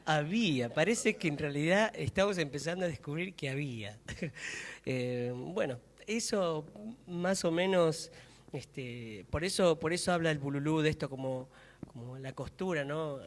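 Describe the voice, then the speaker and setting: Argentine man in a reverberant hall. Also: on the high side. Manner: hesitant, searching for words, thinking aloud. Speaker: actor and theatre maker. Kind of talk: reflective public conversation about theatre. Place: public talk in a hall.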